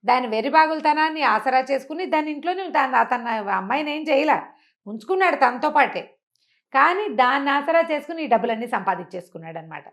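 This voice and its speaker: A woman tells a folk tale as if chatting with a listener. Her voice sits a bit high and she moves very quickly, in everyday colloquial phrasing. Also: animated, a bit bright. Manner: colloquial, conversational. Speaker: storyteller. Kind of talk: lively oral folk-tale storytelling.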